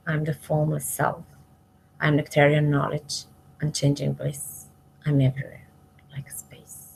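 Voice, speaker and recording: A woman reading spiritual verses aloud devotionally, in measured short phrases that trail off softly at the ends. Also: deep voice, gravelly, a little hiss or hum, low-quality recording. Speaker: reader of spiritual scripture, commenting as she goes.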